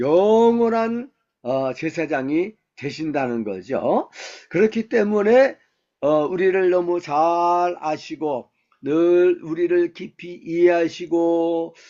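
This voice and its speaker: A man's high-pitched voice at a very slow pace, with lively intonation. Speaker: professor and Bible teacher. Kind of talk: sermon. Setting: video call. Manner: hesitant, many fillers.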